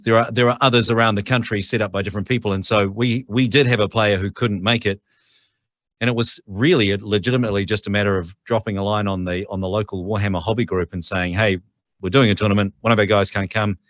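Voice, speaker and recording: A man's voice: on the low side, steady tone, quick pace, a bit bright, dry recording, muffled recording. A middle-aged man with a New Zealand accent, a podcast guest telling stories in a chatty way with frequent restarts. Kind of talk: casual interview chat.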